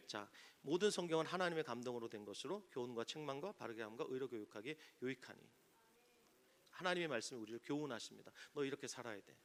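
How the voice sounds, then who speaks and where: A male pastor preaching a sermon to an audience, swinging from loud cries to near-whispers and acting out the voices in his stories. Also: medium pitch. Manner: acts out quoted voices in stories.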